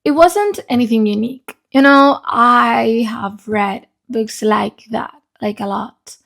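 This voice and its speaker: Speaking slowly in a fairly high, creaky, somewhat bright voice, a woman who hosts a video channel reviews a book in a relaxed, chatty way. She swears freely and keeps asking "okay?", while her voice wavers and sounds grainy as she recovers.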